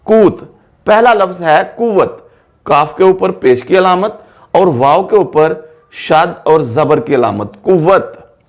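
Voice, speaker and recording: A man teaching an Urdu pronunciation lesson, slowly repeating each word to show how it is said. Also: high-pitched. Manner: slow, careful, repeats words to stress pronunciation.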